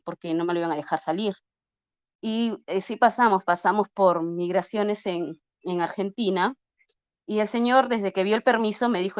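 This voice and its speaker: A woman's voice: mid-range voice, no room sound. A middle-aged woman, an interview guest telling her story casually and earnestly, acting out the dialogue as she retells it. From Peru. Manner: earnest, acts out dialogue while retelling, frequent restarts. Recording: slightly muffled lo-fi audio.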